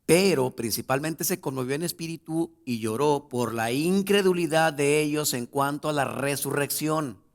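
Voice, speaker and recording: A male pastor preaching a sermon, reading scripture aloud and swelling into loud, emphatic passages as he addresses the congregation. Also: a little high, moderate pace, vocal fry, hardly any pauses. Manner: addresses the congregation directly as brothers.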